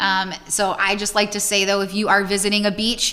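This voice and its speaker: Over noticeable background noise, a woman speaks at medium pitch and a fairly quick pace. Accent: American. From Pennsylvania, US. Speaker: shark conservation educator. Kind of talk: public lecture. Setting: presentation to audience. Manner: conversational, some stumbling.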